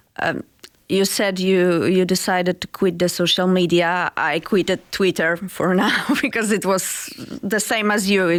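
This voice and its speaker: A woman's fairly slow speech with a Polish accent and fairly even intonation. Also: medium pitch for a woman, very even loudness. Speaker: entertainment journalist. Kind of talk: interview. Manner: halting.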